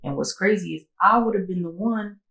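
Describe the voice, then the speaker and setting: Podcast woman, AAVE speech, animated storyteller acting out quotes; mid-pitched, casual. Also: brisk, creaky, poor audio. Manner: animated, acts out quotes, slangy. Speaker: podcast co-host.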